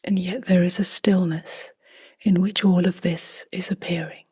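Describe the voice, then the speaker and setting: A woman speaking softly and gently in a near-whisper as she guides a meditation, unhurried, with long pauses. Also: on the low side, fairly even intonation. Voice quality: soft, breathy, near-whispered. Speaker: meditation teacher.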